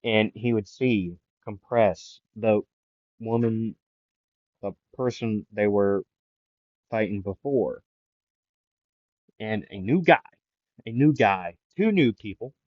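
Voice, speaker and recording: A man's voice: lowish voice, slow pace, long pauses, no room sound, highs cut off. A man casually improvising a fan story, rambling with many fillers and restarts. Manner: rambling, self-interrupting, filler-heavy.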